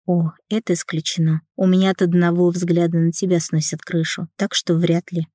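A tender young lover, read by a man in a romance audiobook, hushed and gentle. His tone is warm and dark, in a dry, close recording. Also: sits high, flat delivery, moderate pace, dry recording. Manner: soft, hushed delivery.

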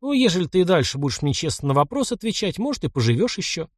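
A man's voice: high voice, very animated, quick pace, no echo, studio quality, voice pushed up. A man voicing a sly, ruthless young frontier fighter who talks in mocking, clipped commands. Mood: mocking threat.

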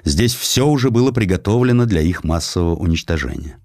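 A man narrates a historical essay as an audiobook in a low, expressive, slightly mellow voice. His delivery is measured and grave, like serious dramatic storytelling. The recording is dry, with very little room in it and no echo.

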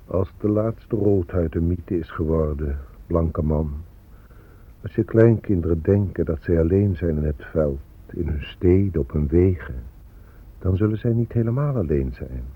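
A man's voice: sits low, breathy edge. An actor playing an ancient Native American man, a solemn and mournful spirit of the dead, in a radio drama monologue. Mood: grave, warning. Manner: solemn, measured, poetic. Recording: tinny, phone-like old radio recording.

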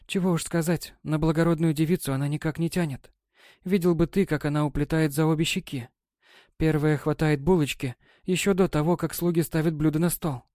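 A man voicing a gentle, loving captain's wife. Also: on the high side, fairly even intonation, a little fast, no room sound, clean studio sound, pitched above the performer's own voice, lightly acted. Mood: tender. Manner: soft, tender and coaxing. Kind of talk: audiobook character voice.

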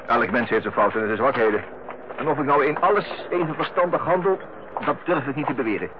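A noisy, dull old radio recording of an actor playing a jovial younger brother in a radio play. He banters in a middling male pitch. His manner is lighthearted and teasing, that of an easygoing family man. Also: fast, close to an everyday voice. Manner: jovial, bantering, chuckling way of talking. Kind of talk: naturalistic Dutch radio play acting.

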